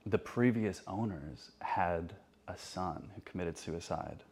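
Low, gravelly laid-back man. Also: darkish tone, slight background noise. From Canada. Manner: laid-back, halting storytelling with many ums. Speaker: podcast guest. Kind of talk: casual chat, telling a ghost story.

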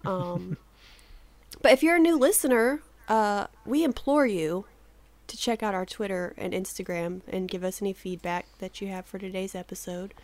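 A woman's voice: medium pitch, normal speed, a little mellow. A woman in her thirties chats with her co-hosts, her voice still a little sleepy. She laughs often and swears casually as she tells her stories. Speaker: podcast co-host. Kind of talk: casual chat.

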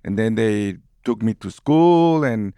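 Guy in his 50s w/ guatemalan accent, lowish smooth voice, chatty storyteller. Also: slow pace, no echo, clean studio sound. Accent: Guatemalan Spanish. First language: Spanish. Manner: warm, animated storyteller who laughs easily. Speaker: movie theater manager. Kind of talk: storytelling in an interview.

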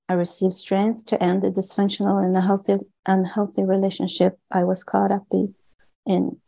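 A woman with a Swedish accent, a native Swedish speaker, reading aloud from her own book as a guest, earnest and measured, with small restarts on words. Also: mid-range voice, vocal fry, warm tone. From Sweden. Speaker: author and guest.

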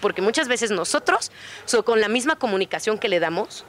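A woman's voice: mid-range voice, expressive, fairly quick, a bit bright, a little hiss or hum. A woman with a Mexican accent, a guest on a radio show, talking casually and animatedly about dogs and acting out little dialogues. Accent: Mexican Spanish. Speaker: dog daycare co-founder, guest.

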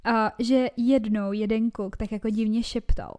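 A young woman co-hosts a casual podcast and talks bluntly. She curses freely and giggles often. Her voice sits slightly high. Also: steady tone, a little mellow, smooth. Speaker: podcast co-host. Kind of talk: casual frank podcast chat.

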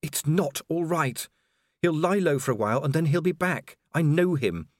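A man's voice: on the high side, animated, normal speed, no echo, clean studio sound, pitched above the performer's own voice. A man voicing a fierce, grim young female werewolf in an audiobook. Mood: bleak.

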